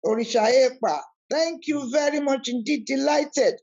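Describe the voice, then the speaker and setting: A woman's voice: sits high, moderate pace, darkish tone, dull audio. A woman hosting an online spiritual talk, emphatic and preacherly, repeating key words over a video call. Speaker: host of an online spiritual discussion. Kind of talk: animated talk, switching between English and Yoruba.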